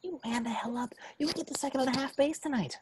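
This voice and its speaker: A woman's voice: high-pitched, fast talker, close to an everyday voice. A woman voicing a sassy, teasing young gay male roommate in an amateur script reading over a noisy call. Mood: brisk. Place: remote video call.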